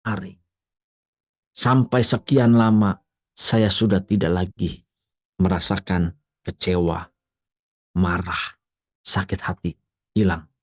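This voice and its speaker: A male pastor preaching a sermon, moving from quiet, low storytelling to loud, emphatic peaks. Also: fairly even intonation, slow pace, pauses often, dry recording.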